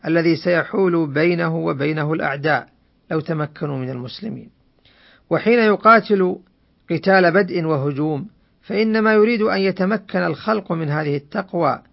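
A man giving a religious radio lecture in formal standard Arabic, with formal, measured, deliberate phrasing. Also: a little high, vocal fry. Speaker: host of a weekly religious radio programme. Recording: dull, band-limited radio recording.

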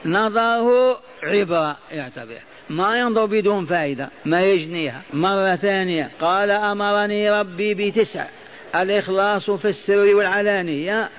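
A man with a high voice gives a Quran lesson, going over phrases again and asking his listeners questions. He chants the verses he quotes, and the recording sounds dull and lo-fi. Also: moderate pace. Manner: repeats phrases, stops to quiz listeners. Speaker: Quran teacher.

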